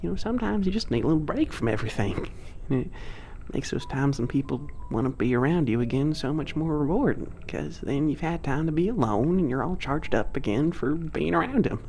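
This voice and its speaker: A man's voice: a little high, expressive, brisk, hardly any pauses, darkish tone, a little hiss or hum. A man voicing a shy, lonely young male giant who speaks in folksy, hesitant phrases. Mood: earnest. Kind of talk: ASMR audio drama.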